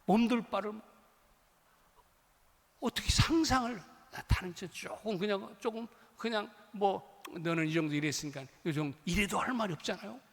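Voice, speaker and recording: A male pastor preaching a sermon in a church, telling the story with animated swings from hushed to loud, with a long hall reverb. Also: high-pitched, moderate pace, vocal fry. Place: church sanctuary.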